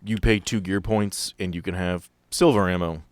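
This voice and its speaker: Low-voiced man as game master. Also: fairly even intonation, moderate pace, smooth, dry recording. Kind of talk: casual talk explaining tabletop game rules.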